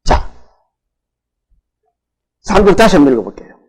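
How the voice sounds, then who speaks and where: A man's voice: sits high, very animated, moderate pace, slightly rough, low-quality recording. A man with a Gyeongsang Korean accent preaching a sermon as pastor. He keeps asking the congregation questions, answers them himself and stretches out the words he stresses.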